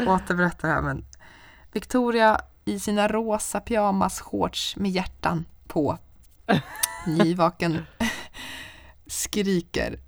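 A young woman chatting casually, telling a story in a lively way and swearing often. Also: lowish voice, gravelly, no room sound, clean studio sound.

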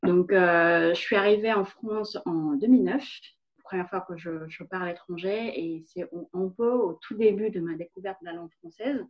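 Female podcast guest, 30s, Vietnamese accent, lower register, halting delivery full of fillers, muffled lo-fi sound. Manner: hesitant, many fillers and restarts. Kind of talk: personal story in a podcast interview. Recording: dull lo-fi recording.

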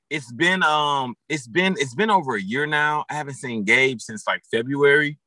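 A man's voice: medium pitch, a little slow, pushed and bright, no room sound. A man in his thirties, a guest and football coach, talking casually on a podcast with many fillers and restarts. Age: 30s.

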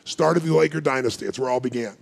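A man's voice: medium pitch, fast, creaky. A middle-aged man speaking live to an audience, telling a punchy story, acting out quoted dialogue and asking the crowd questions. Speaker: motivational speaker.

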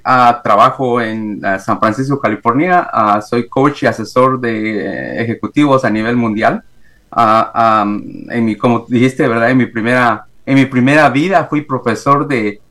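A middle-aged man from Guatemala, speaking with a Guatemalan Spanish accent on a video call from home, telling his story haltingly with many fillers and restarts. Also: mid-range voice, fairly bright tone. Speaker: guest, executive coach. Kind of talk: remote interview, reflective storytelling. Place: home, in the morning.

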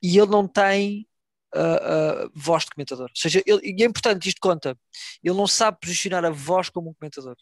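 A man's voice: sits high, brisk, no echo, clean studio sound. A young man in casual podcast chat, slangy, repeating words as he searches for phrasing and mixing in English. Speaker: wrestling podcast co-host.

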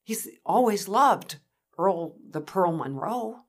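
Worried mother, watchful, emphatic, unsettled, lively pitch, medium register, audio drama. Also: slow, slightly rough. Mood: uneasy. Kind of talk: dramatic podcast monologue.

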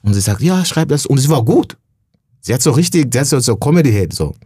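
A young adult man from Burundi, a stand-up comedian, talking casually and emotionally as a podcast guest, slangy and full of halting restarts. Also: mid-range voice, animated, warm tone, breathy edge, no room sound, clean studio sound. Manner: slangy, says "bro" often, halting restarts.

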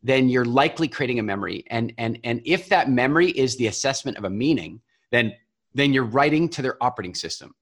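A man guest on an interview, telling parenting stories in a casual, animated way and often repeating words as he starts. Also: mid-range voice, fast talker. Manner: animated storyteller, acts out voices. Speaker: guest, parenting and business coach.

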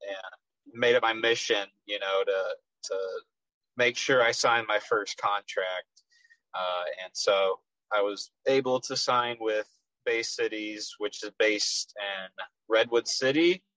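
A man in his twenties with a Texas accent, a professional soccer player, answering interview questions in a relaxed way with many ums and restarts. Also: fairly low pitch, slow, dry recording, rough recording. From Texas, USA. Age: 20s.

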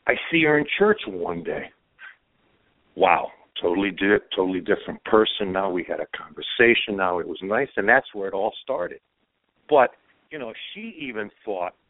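A man's voice: fairly low pitch, dry recording. A man from Croatia giving emphatic dating advice as a guest, often tagging his points with "okay?", heard over a phone-like line. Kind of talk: casual chat advice.

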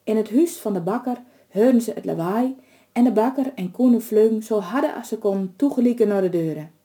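Dark-toned woman telling a folk tale. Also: medium pitch, normal speed. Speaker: storyteller. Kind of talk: reading a folk tale aloud.

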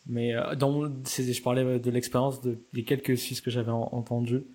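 Husky-voiced French podcast host. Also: male voice, mid-range voice, level tone, normal speed, darkish tone. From France. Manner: friendly, fillers and repeated words. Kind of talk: casual interview chat for French learners.

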